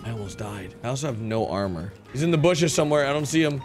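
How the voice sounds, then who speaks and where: A young American man giving animated, joking game commentary and roleplay as a police officer, close on a headset mic. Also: mid-range voice, quick pace, faint music behind. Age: young adult. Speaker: gaming streamer role-playing a police officer. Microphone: headset microphone, close.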